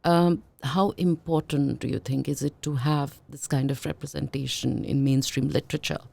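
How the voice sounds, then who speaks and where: A woman host with a very low voice and plenty of vocal fry asks the questions. Her voice is recorded dry and close, and she listens attentively and prompts with short questions. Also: fairly even intonation, moderate pace, a little mellow, no room sound. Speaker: podcast host interviewer. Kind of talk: podcast interview.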